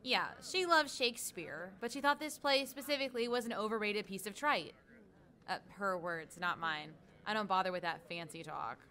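A woman's voice: mid-range voice, moderate pace, pushed and bright, natural voice. A woman playing a sly, blunt teenage girl with a wry, teasing way of talking in an audio drama. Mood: matter-of-fact.

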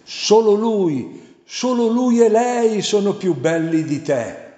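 A man voicing a raging, hateful male demon who rants in a shrill, strained voice. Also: expressive, takes it slowly, warm tone. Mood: hateful, agitated. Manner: shrill, strained ranting with repeated outbursts. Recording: roomy, reverberant hall sound.

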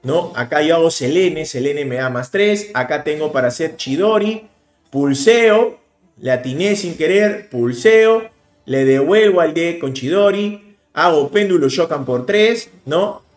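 A man in his thirties with a Peruvian Spanish accent, commentating a card game replay in a casual, animated way. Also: a little high, echoey room, soft background music. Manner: animated, explaining plays rapidly with bursts of emphasis. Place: indoor room, webcam overlay.

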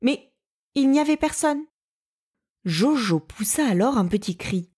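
A woman storyteller reading a children's story aloud with an expressive, lively delivery. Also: fairly high pitch, a little slow, husky. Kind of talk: storybook read-aloud narration.

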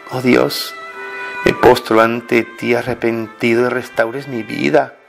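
A man prays aloud in a slow, measured way, with long pauses between pleading phrases. His voice sits at an ordinary pitch and sounds fervent and devout. Clear music plays underneath him throughout. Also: level tone. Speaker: prayer leader. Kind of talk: slow devotional spoken prayer.

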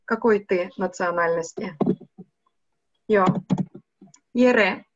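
A young woman teaching a language over a video call, speaking slowly and patiently and switching between two languages. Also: medium pitch, background noise. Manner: slow, patient, switches between Russian and Finnish. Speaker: online Russian teacher. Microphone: video call webcam mic. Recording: muffled, dry video call audio.

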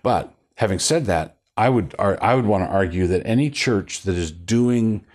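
On a bookshelf-backed studio set, an older man who is a pastor gives a laid-back interview through a lapel mic. His voice is on the low side at a normal speed, and he meanders through his ideas with restarts and a wry chuckle.

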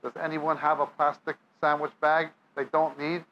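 A man's voice: a little high, flat delivery, normal speed, dull audio, slight background noise. A man with a New York accent preaching a sermon, reading scripture aloud and then explaining it to a live audience. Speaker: Bible teacher. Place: church or meeting hall with audience.

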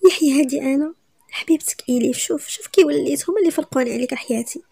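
A woman's voice: sits high, racing, gravelly, dark tone, no echo, clean studio sound, voice pushed up. A woman voicing a distraught young woman who pleads tearfully and urgently to be believed. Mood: desperate pleading. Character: distraught young woman returned from presumed death.

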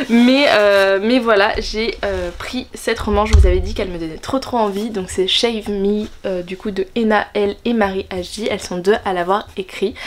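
A woman's voice: medium pitch, a little hiss or hum. Brief: young woman book vlogger, shy and hesitant, many fillers, keen, camera at desk distance. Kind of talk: casual book haul chat. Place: bedroom in front of a bookshelf, indoors.

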